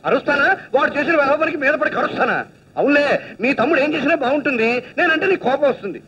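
Grumpy sarcastic husband: very high, very fast, sharp, heard from a distance on a lo-fi track. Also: male voice. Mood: grumbling. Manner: grumbling, sarcastic, complaining. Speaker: husband of the aunt. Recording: distant, dull lo-fi film soundtrack.

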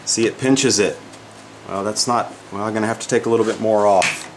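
A fairly quick, lowish voice with fairly even intonation comes from an older woodworking instructor doing a casual shop demonstration. He restarts his sentences often while thinking aloud over his project, and the background is noisy.

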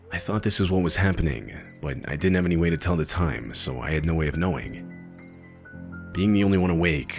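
Male narrator for horror stories, very low gravelly voice, grave and unhurried, faint music under. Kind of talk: scripted narration.

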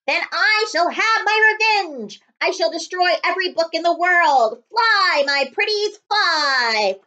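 A woman's voice: very high voice, lively intonation, measured pace, sharp tone, muffled recording, pitched above the performer's own voice, heavily acted. A woman voicing a bossy, vengeful male mad scientist from a storybook with theatrical, threatening commands. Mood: vengeful rage.

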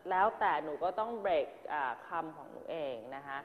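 A woman's voice: low voice, animated, fairly quick. A woman coaching a drama class, giving direct, corrective notes to her students one after another. Her voice rings out in a large hall with a long tail of reverb. The sound is somewhat dull and muffled. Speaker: acting teacher.

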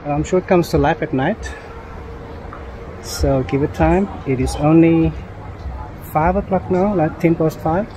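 A man's voice: on the high side, measured pace, pauses often. A man casually talking to his viewers as he films a walking tour through city streets on an action camera. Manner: chatty, talks to viewers as guys. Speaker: travel vlogger. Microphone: action camera mic while walking. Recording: loud outdoor street noise. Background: loud street traffic.

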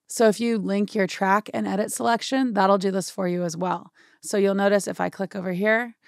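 A young woman with a hoarse, worn-out voice, chatting through a software tutorial in a home studio and often checking in with "right?". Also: mid-range voice, no room sound. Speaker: music production tutorial host. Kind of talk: casual screen-share software tutorial.

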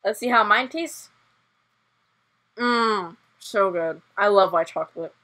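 A woman's voice: medium pitch, slow pace, bright, forceful tone. A woman hosting a gaming video, chatting casually and playfully teasing her co-player. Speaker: gaming channel host. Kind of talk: casual game commentary.

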